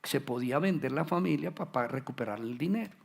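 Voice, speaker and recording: A middle-aged man preaching a sermon as pastor, animated and acting out the voices he quotes. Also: medium pitch, quick pace, vocal fry, breathy edge.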